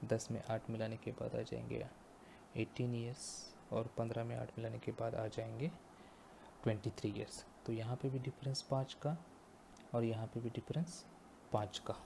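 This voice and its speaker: A male teacher slowly explaining a maths lesson step by step, often stopping to ask the class if it is clear. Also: mid-range voice, flat delivery, background noise. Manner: slow, explains step by step and checks understanding. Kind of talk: math lecture.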